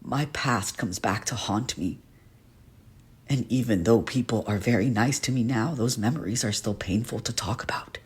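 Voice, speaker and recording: Gentle, wounded guardian-mentor for character drama, male actor: lowish husky voice, earnest confessional delivery. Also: moderate pace. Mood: pained, regretful. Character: gentle guardian teacher, male shapeshifter haunted by a painful past. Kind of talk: dramatic character monologue for a voice reel.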